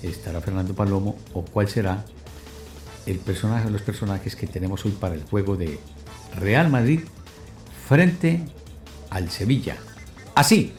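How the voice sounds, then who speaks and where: A man's voice: on the low side, animated, a little slow, long pauses, a little mellow. A man presenting and analysing sport as a radio host, in formal, wordy phrases. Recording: roomy sound with faint music.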